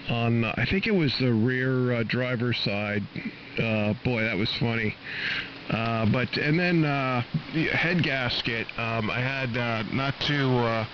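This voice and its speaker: Muffled shortwave radio carries a middle-aged American man in casual conversation. He talks very slowly and haltingly, rambling along as an amateur operator, with clear static around his voice. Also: mid-range voice. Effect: shortwave AM radio transmission.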